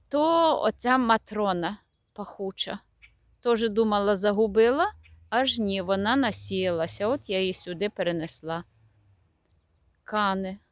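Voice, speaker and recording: In this laid-back garden tour vlog, a woman with a medium-pitched voice walks among her plants outdoors, talking about them affectionately and occasionally trying to recall their names. There's no echo on the recording.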